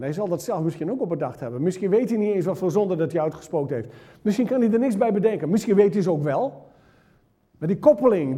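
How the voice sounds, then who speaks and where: Male preacher, high-pitched, warm and mellow timbre, animated delivery that swings between loud and soft. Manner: animated storytelling, acts out the crowd's hushing in a raised voice. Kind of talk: sermon.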